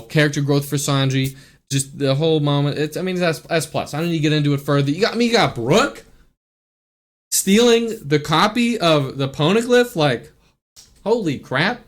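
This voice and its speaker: Gushing man rambling with many fillers. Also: medium pitch. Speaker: YouTuber ranking anime arcs. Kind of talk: casual excited commentary.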